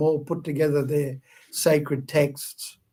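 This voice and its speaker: Using a monotone, flat intonation, a man speaks at a fairly high pitch with a dark, mellow tone. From Fiji. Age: 70s. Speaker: academic and musician. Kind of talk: casual interview chat.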